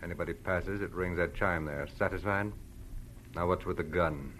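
An actor playing a surly, smart-mouthed gangster club owner in an old radio crime drama, talking tough and curt. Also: male voice, sits low, moderate pace, a bit bright, a little hiss or hum. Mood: surly, cocky.

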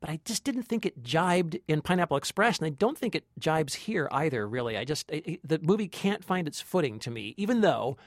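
A man's voice: on the high side, expressive, fairly quick, hardly any pauses, no room sound, clean studio sound. An American man co-hosting a film review podcast, talking informally and conversationally, with hedged opinions.

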